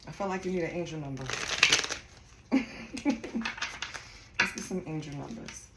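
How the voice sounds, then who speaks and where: Gravelly low-voiced woman reading tarot. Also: slow pace. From Costa Rica. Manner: blunt and chatty, swears freely. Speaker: tarot reader. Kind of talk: casual tarot reading to camera. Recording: echoey room with steady background noise.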